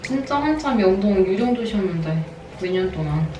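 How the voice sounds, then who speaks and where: A woman's voice: medium pitch, animated, a little fast. A woman in her thirties, a hair stylist chatting and laughing with a client in a salon. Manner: chatty, laughs often, acts out silly captions. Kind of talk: casual chat with a client. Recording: roomy, distant mic, noisy background.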